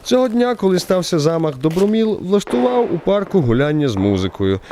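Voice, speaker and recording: A man narrating a radio play in an expressive, theatrical storytelling style, shaping scripted literary prose phrase by phrase. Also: high-pitched, fairly quick, slight background noise.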